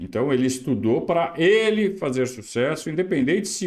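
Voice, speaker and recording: A man speaks against a quiet background. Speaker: football YouTuber reacting to press conference. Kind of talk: reaction commentary.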